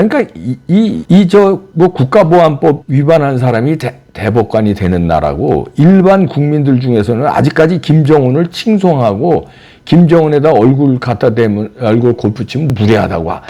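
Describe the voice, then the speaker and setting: A man's voice: medium pitch, warm tone. A man hosting a solo political commentary, combative and mocking, firing off rhetorical questions. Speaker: political commentary channel host.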